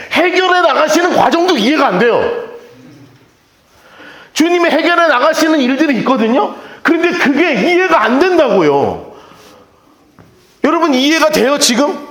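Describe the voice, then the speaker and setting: A man's voice: extremely high pitch, roomy sound. A male pastor preaching a sermon, emphatic, with rhetorical questions to the congregation. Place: church sanctuary.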